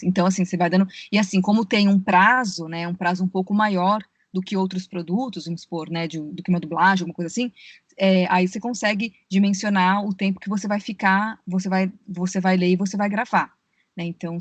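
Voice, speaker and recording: Articulate voice actress, dry sound. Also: female voice, mid-range voice, a little mellow, no room sound. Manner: explains at length, many fillers like "né" and "assim". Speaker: voice actress and audiobook narrator. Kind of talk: podcast interview over a call. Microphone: remote call.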